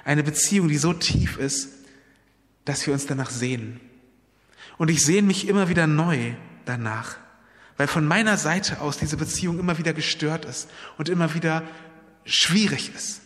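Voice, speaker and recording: A man's voice: fairly high pitch, moderate pace, fairly bright tone, big-room sound. A man preaching a sermon, retelling a Bible story in an earnest, personal way and appealing directly to his listeners.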